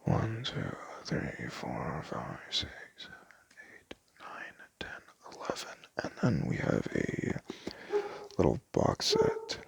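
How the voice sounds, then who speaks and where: A man doing a casual, improvised ASMR shopkeeper roleplay, soft-spoken and hesitant, rambling in a self-deprecating way. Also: a bass voice, huge pitch swings, slow, creaky, husky, no echo. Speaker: ASMR roleplayer playing a small DVD shop owner.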